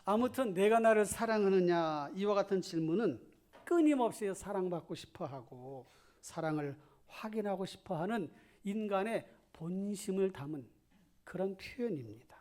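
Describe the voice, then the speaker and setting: A pastor giving a church sermon, speaking conversationally to the congregation with questions and asides, and often dropping to a soft, near-whispered tone. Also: medium pitch, expressive, moderate pace.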